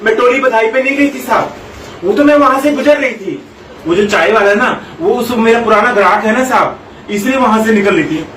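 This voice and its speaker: Man playing Sarla Tai, high brash streetwise woman. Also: fairly quick, a little hiss or hum. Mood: pleading. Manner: wheedling pleas, then loud bold threats. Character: brash streetwise woman, pleading then threatening. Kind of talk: film scene acting. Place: film set in large hall. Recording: echoey hall from far off, crowd behind.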